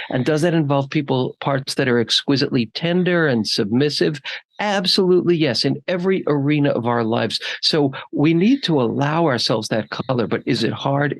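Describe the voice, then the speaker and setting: In an ordinary speaking voice, the speaker moves at a fairly quick pace with lively intonation and very even loudness. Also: man. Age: 60s. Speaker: podcast guest, author on relationships. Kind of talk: interview.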